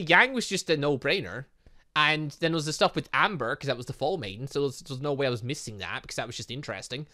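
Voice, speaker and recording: On the high side with a sharp tone, this young gaming YouTuber reads a visual novel's dialogue aloud as he plays it on his channel. His talk is chatty and rambling, filled with humming sounds, especially through the outro.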